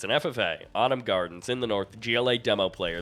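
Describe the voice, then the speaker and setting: Music plays in the background while a man speaks fairly quickly, his pitch varying in an ordinary way. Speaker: game commentator. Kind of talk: live game commentary cast. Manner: subdued, low-energy.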